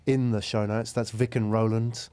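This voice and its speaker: A man's voice: fairly low pitch, flat delivery, normal speed, mellow, smooth. A man hosting a podcast interview in a studio, conversational and encouraging with his guests.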